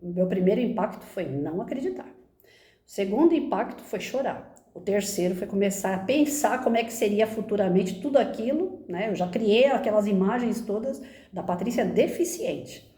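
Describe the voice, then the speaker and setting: Brief: Brazilian woman, personal testimony, mellow warm tone, animated storytelling, roomy echo. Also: mid-range voice, moderate pace. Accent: Brazilian Portuguese. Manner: expressive, animated retelling with frequent "né?". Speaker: speaker giving a personal testimony.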